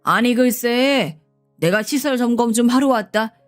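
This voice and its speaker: A woman doing a gruff old security guard. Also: on the high side, a little slow, lightly acted. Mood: angry. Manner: gruff, scolding speech. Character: blunt older male security guard, father-in-law. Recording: faint background music.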